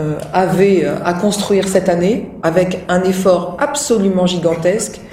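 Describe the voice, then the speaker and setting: Noticeable background noise runs throughout. A woman is the one talking. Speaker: senior education ministry official. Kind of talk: lecture to education staff. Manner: authoritative, stresses syllables.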